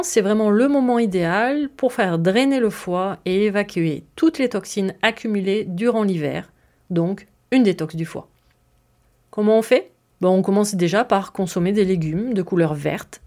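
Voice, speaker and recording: A woman's voice: medium pitch, darkish tone. Woman podcast host with a chatty, easygoing delivery, talking straight to her listeners with frequent asides. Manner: chatty, explains with fillers and asides. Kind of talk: casual explanatory podcast monologue.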